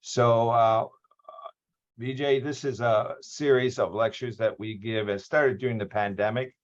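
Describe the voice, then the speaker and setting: A man's voice: medium pitch, fairly even intonation, measured pace, highs cut off. A man from Australia hosting a lecture series, giving a formal introduction of a guest with frequent ums and restarts over a video call. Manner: hesitant, many ums and restarts.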